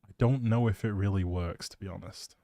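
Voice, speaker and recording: A man's voice: on the low side, a little fast, warm tone, no echo, clean studio sound. A man live streaming, chatting casually in an appreciative, rambling way and thinking aloud as he goes.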